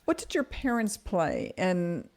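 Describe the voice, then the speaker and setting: Upbeat woman asking lively questions. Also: lowish voice, slow pace. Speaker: interviewer. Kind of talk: casual interview.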